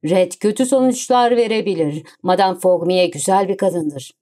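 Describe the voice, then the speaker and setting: A woman reading the lines of a suave, commanding gentleman thief in an audiobook, cool and self-assured. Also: lowish voice, normal speed, lightly acted. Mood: calm, commanding.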